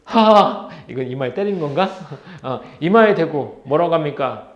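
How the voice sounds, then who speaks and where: A man's voice: on the high side, animated, moderate pace. A male teacher giving a literature lecture, firing questions at his students and answering them himself. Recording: roomy, slightly dull lecture recording.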